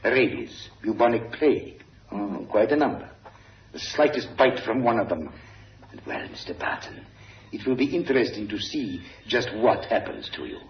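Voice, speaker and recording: An actor playing Kramer, a cold, sinister villain who gloats with smooth menace, in an old radio drama recording. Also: male voice, lowish voice, animated, moderate pace, roomy sound, highs cut off, a little hiss or hum, lightly acted. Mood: gloating.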